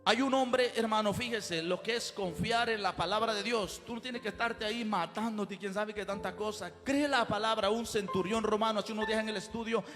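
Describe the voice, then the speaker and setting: A male pastor preaches fervently in a church hall, punctuating his points with exclamations. His voice sits very high and carries a long reverb through the hall. Music plays clearly underneath. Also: a little fast, hardly any pauses, a bit bright. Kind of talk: sermon.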